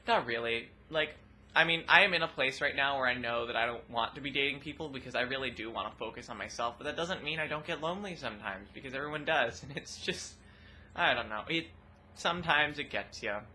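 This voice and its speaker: A young trans woman with a rather deep voice, talking expressively and loudly in a casual personal vlog. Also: brisk, a little hiss or hum. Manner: expressive, loud, laughs often. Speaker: vlogger.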